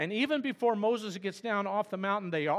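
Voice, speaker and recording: On a very clean recording with a silent background, a man with a Midwestern US accent talks at a fairly quick pace. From Indiana, Kokomo. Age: 70s. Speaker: pastor. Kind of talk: sermon.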